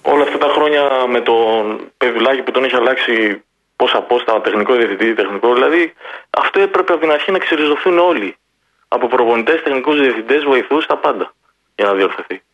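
A man's voice: medium pitch, fairly bright tone. A man calling a sports radio show, frustrated and openly disagreeing with earlier callers. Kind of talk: casual call-in chat. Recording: muffled phone line.

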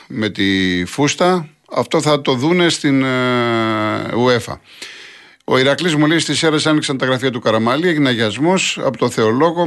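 A man's voice: medium pitch, fairly bright tone. A man hosting a call-in radio show, chatting with callers and reading out listener messages. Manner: conversational, chats with callers and reads listener messages. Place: radio studio.

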